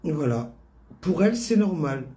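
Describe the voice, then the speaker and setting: A woman vlogger telling a story in casual, animated way, often amused. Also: sits low, normal speed.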